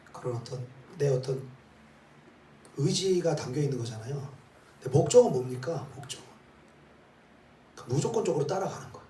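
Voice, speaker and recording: A man's voice: mid-range voice, mellow, slight background noise. A man, a pastor, preaching a sermon and leading his congregation through scripture, peppering his points with rhetorical questions and "eh?" tags. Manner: leads the congregation in reading scripture aloud. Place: church sanctuary. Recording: roomy hall, voice from some distance, faint ambience.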